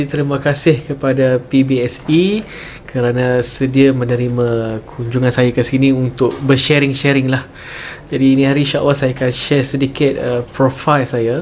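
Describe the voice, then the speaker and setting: A man with a Malaysian accent at a moderate pace, relaxed in tone, with monotone, flat intonation over noticeable background noise. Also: medium pitch for a man. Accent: Malaysian Malay. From Malaysia, Kuala Lumpur. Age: 40s. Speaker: professor. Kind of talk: podcast interview. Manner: relaxed, casual.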